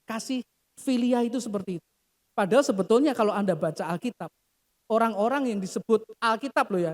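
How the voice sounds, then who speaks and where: A woman pastor delivering a sermon, acting out quoted prayers and often addressing the congregation directly. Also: fairly high pitch. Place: church. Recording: reverberant church hall.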